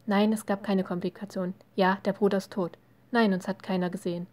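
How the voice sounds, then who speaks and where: A woman's voice: mid-range voice, little pitch movement, brisk, a little mellow, close to an everyday voice. A woman reading the clipped report of a male henchman speaking into a walkie-talkie. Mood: businesslike.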